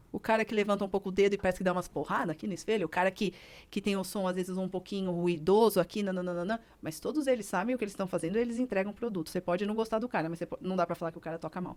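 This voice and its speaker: Talking at a very fast pace in an interior São Paulo accent, a woman keeps a medium pitch with ordinary pitch variation. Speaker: cellist and music teacher. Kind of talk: podcast interview.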